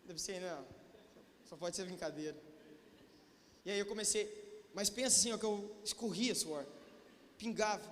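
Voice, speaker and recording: A young man preaching a sermon, telling a personal story quietly and then building to loud, fervent exhortation. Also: high voice, moderate pace, pauses often, slight background noise. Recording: long reverb of a church hall.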